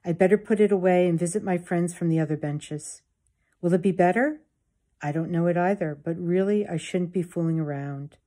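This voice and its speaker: A woman's voice: fairly low pitch, normal speed, warm tone. A woman in her sixties reading a diary aloud at home into a phone. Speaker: diary reader. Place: book-lined room at home. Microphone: phone at arm's length.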